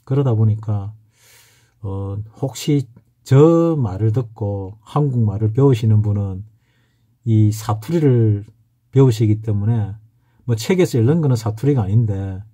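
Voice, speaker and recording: In this informal saju class, a middle-aged Gyeongsang man speaks with a heavy regional accent, telling meandering stories and frequently pausing to start over. His pitch is fairly low, and his tone is dark and mellow with some huskiness.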